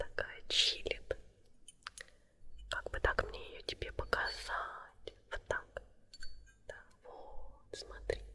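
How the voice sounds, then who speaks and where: A soft-spoken woman whispers very slowly with long, frequent pauses and big swings in loudness over noticeable background noise. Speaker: ASMR artist. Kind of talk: ASMR sleep video, personal attention talk. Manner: whispered, soft.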